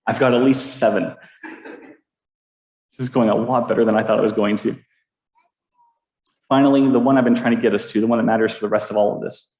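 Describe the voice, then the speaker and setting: A male preacher giving a sermon with a mellow, darker tone. He jokes with the congregation and keeps things light. His voice carries through a roomy church sanctuary. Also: on the low side, fairly even intonation, a little fast, pauses often. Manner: playful, interactive, self-deprecating humor with the congregation.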